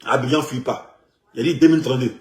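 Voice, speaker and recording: A man with an Ivorian French accent rambling through animated street commentary, repeating his words as he goes. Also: mid-range voice, quick pace, reverberant. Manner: animated, repetitive, loops back on his words. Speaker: man in a circulated video clip.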